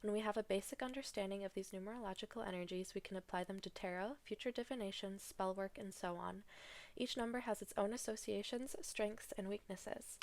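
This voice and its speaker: A woman's voice: medium pitch, a little fast. A woman giving a casual, chatty tarot reading with a stuffy nose, sounding slightly out of breath. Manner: chatty and relaxed, reads book passages aloud. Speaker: tarot reader.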